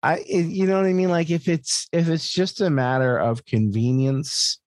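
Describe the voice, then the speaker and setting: A man co-hosting a podcast in casual comedic chat, telling stories in an animated way with plenty of swearing. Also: fairly high pitch, moderate pace, dry recording, studio quality. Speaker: podcast co-host.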